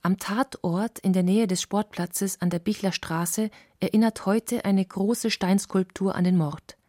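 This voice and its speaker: A woman narrating a historical documentary in a measured, sober scripted voice. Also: mid-range voice, fairly even intonation, warm tone, dry recording, clean studio sound.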